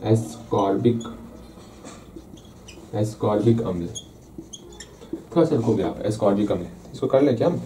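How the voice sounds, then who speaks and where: A man's voice: fairly low pitch, expressive, normal speed, pauses often, dark tone, slight background noise. A man teaching a casual revision lesson, playfully repeating key terms and asking and answering his own questions. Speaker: science teacher.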